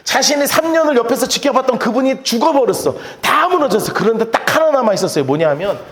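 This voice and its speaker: A man preaching a sermon as a pastor, telling the story in a lively way and acting out the quotes. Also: very high-pitched, fast. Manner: animated, lively storytelling with acted-out quotes and laughter. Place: church sanctuary. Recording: echoey church hall with long reverb.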